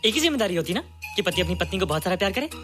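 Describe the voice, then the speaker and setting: A man's voice: high voice, big pitch swings, very fast, bright, forceful tone, soft background music, exaggerated voice. An actor playing a grown man with a child's mind, talking in a simple, boyish and innocent way, in film dialogue. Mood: playful.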